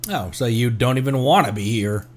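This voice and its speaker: A man's voice: medium pitch, moderate pace, a little mellow. A man doing casual live commentary as he streams a video game. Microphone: streaming microphone.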